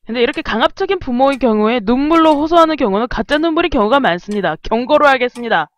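Woman streamer, animated and exasperated, bouncy high pitch. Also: fast. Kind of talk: game let's play commentary.

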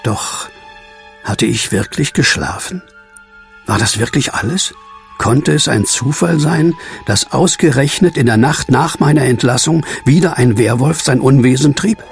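Gravelly male narrator of horror. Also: medium pitch, a little slow, soft background music. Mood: horrified brooding. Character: brooding male narrator, former asylum patient fearing werewolves. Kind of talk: first-person horror audio drama narration.

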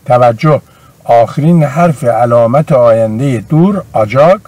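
A man teaching a grammar lesson, slowly drilling verb forms one by one and then explaining the rules. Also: medium pitch, animated, a little mellow, no echo. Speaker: language teacher.

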